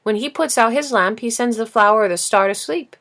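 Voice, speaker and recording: A woman performs a small, serious boy from a storybook. The voice sits higher and is gently persistent, with earnest curiosity and plain, thoughtful phrasing. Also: brisk. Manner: earnest questioning, simple and thoughtful. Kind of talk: storybook character reading.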